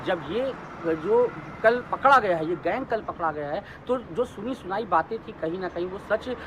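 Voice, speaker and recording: Male field reporter, high voice, halting live explanation, light urban traffic noise. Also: expressive. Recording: clear outdoor city traffic noise.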